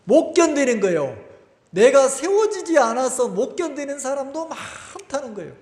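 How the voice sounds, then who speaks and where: A man preaches in a high, animated voice that rises and falls sharply. He keeps asking his congregation rhetorical questions. The sound is echoey, with a long hall reverb from the church. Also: moderate pace. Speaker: pastor. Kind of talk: sermon. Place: church sanctuary.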